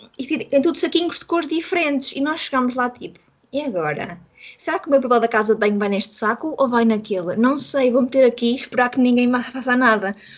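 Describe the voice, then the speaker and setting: With a European Portuguese accent, a woman speaks fairly quickly in a high voice with lively intonation. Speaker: podcast guest, K-pop fan who lived in Korea. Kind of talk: casual chat.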